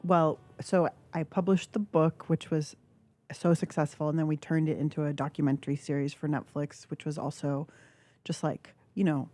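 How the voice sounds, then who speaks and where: A woman, a guest author speaking candidly in a radio studio interview, reflective and halting with filler words. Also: sits low, little pitch movement, dark tone. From California. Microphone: studio microphone.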